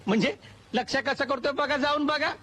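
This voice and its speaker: A man's voice: very high voice, normal speed, bright, forceful tone. An actor playing an easygoing village police constable who mocks a distressed man, in a comedy film. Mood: mocking.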